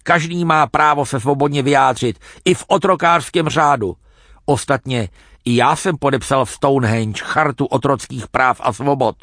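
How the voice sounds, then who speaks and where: A man voicing a vain, touchy old male tribal chief who lectures and then flares into shouting. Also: medium pitch, no echo, clean studio sound. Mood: wheedling.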